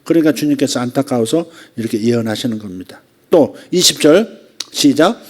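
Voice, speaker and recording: A man's voice: medium pitch, animated. A man, a pastor, preaching a sermon in a conversational way, asking rhetorical questions and acting out quoted lines. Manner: acts out quoted lines with drawn-out repetitions.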